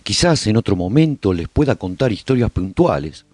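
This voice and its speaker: A man narrating a radio drama as an earnest, resolute survivor chronicling his colony in a solemn, deliberate way. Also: on the low side, very animated, a little mellow, no room sound, studio quality. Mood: solemn, inviting.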